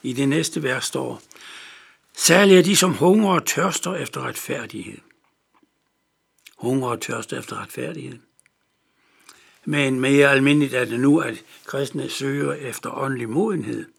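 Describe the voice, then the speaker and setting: A man giving a calm, measured radio devotional talk that explains a scripture passage. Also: mid-range voice, vocal fry, husky. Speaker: preacher.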